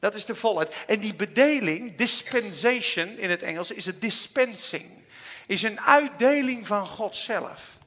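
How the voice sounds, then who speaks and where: Male preacher, high bright voice, hushed to booming, long hall reverb. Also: lively intonation, unhurried. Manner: impassioned, swings from hushed to loud. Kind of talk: sermon.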